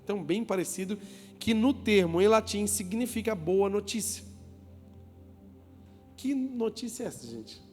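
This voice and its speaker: High-voiced man preaching in a reverberant church. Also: expressive, moderate pace, pauses often, a little mellow. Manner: joking, asks the crowd questions and calls for applause. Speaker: pastor. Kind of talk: lively sermon to a congregation. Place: church hall with a congregation. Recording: long church reverb, music behind.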